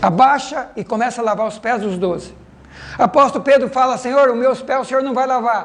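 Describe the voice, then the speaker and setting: At a moderate pace, a man speaks in an extremely high pitch with ordinary pitch variation. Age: 60s. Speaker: pastor. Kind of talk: sermon.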